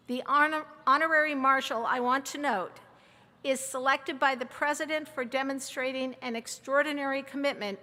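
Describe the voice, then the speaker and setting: Bright-voiced woman announcing a ceremony. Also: sits high, long reverb tail. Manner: measured, reads a long list of names and titles. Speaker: interim provost. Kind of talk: formal ceremony introductions. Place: large outdoor or hall ceremony over a PA.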